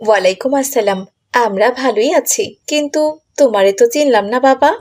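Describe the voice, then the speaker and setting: A woman's voice: a little high, normal speed, a little mellow, natural voice. A woman voicing a gullible, anxious neighbourhood auntie in a cartoon, with a Bangladeshi accent and an earnest, colloquial manner. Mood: puzzled.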